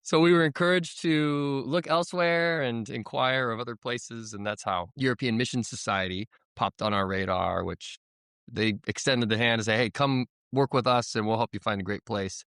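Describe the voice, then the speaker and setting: A man in his thirties from the United States, a missionary guest telling his story in a relaxed, rambling way. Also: medium pitch, moderate pace, clear, resonant tone, no room sound, clean studio sound. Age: 30s. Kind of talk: conversational interview storytelling.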